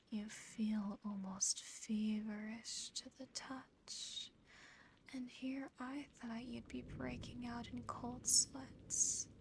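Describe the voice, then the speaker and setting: Woman acting as female demon, very slow breathy whisper, seductive, possessive, teasing, ASMR roleplay, close mic, faint background noise. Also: fairly high pitch, poor audio. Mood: coy, intimate. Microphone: close ASMR microphone.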